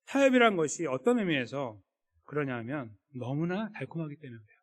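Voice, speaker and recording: Lively conversational preacher man, echoey church. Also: a little high, fairly quick. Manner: conversational, acts out quoted voices. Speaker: pastor. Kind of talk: sermon. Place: church sanctuary.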